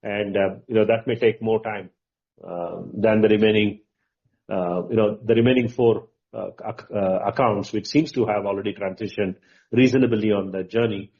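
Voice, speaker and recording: A man's voice: lowish voice, steady tone. Male executive on a muffled call. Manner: halting, emphatic, asks and answers own questions. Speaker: company executive. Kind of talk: unscripted earnings call answers. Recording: muffled, dull conference call audio.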